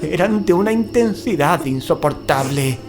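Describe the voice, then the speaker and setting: An actor playing a frightened, cautious paranormal investigator in a horror audio drama, grave and dramatic. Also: male voice, on the high side, lively intonation, moderate pace, lightly acted. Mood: dread. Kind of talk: first-person horror audio drama narration and acting.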